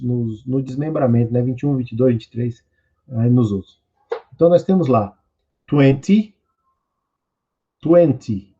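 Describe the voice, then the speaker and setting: A man from Brazil teaching an online English class, slow and patient, drilling words for students to repeat. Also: mid-range voice, warm tone, breathy edge. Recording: dull lo-fi audio.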